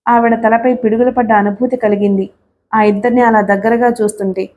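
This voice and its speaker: A woman's voice: fairly high pitch, fairly even intonation, fairly quick, a little mellow. A woman narrating an audiobook story, voicing every character's dialogue in her own voice.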